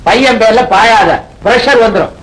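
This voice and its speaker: An actor playing a sharp-tongued older relative who scolds and mocks. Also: male voice, high voice, normal speed, rough recording.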